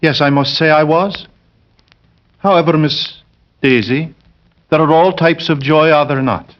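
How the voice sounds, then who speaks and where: An actor playing a pious, sinister male lodger in a 1940s radio drama, speaking slowly and sanctimoniously. Dull vintage radio recording. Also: fairly high pitch, close to an everyday voice. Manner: slow, sanctimonious, menacing.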